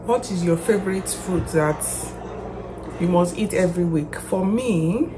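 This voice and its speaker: A woman's voice: on the low side, unhurried. A woman chatting casually to her viewers like a lifestyle vlogger, musing aloud as she goes. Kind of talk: casual vlog chat to viewers. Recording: clear background noise.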